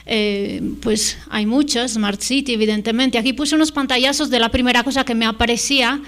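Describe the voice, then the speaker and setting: Italian lady giving a conference talk, kinda high voice, lots of ums and "right?". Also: steady tone, brisk, a bit bright. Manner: hesitant, many fillers and tag questions. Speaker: invited lecturer.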